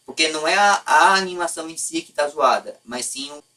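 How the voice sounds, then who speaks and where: A man's voice: fairly high pitch, a little fast, pushed and bright, distant mic. Blunt Brazilian man, slightly off-mic. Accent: Brazilian Portuguese. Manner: blunt, colloquial, lightly profane. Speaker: YouTube host. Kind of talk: unscripted opinion vlog, casual commentary.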